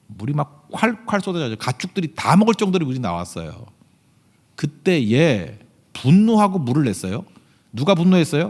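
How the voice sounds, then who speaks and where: A man, a pastor, preaching a sermon in a church service in a conversational way, full of rhetorical questions, with sudden swings between loud emphatic lines and quiet asides. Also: mid-range voice, husky.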